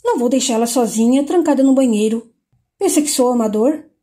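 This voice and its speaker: A woman's voice: on the high side, natural voice. A woman reading as a firm male psychologist. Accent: Brazilian Portuguese. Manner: steady, firm, measured. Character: calm firm male psychologist, protective friend.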